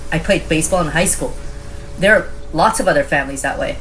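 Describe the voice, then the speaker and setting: A woman's voice: deep voice, quick pace, a bit bright, slight background noise, low-quality recording. A woman playing an earnest, pleading Japanese American male game show contestant in a satirical theater piece. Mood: indignant, heartfelt. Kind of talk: satirical readers theater performance.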